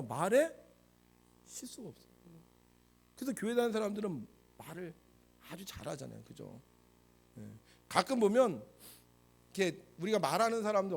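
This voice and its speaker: Lively high-voiced Korean pastor preaching. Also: male voice. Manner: animated preaching, swinging between loud emphasis and soft asides; asks the congregation questions and answers them himself. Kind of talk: sermon.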